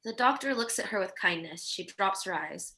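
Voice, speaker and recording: A woman's voice: medium pitch, expressive, moderate pace, pushed and bright. A woman reading stage directions as scripted narration in a table read.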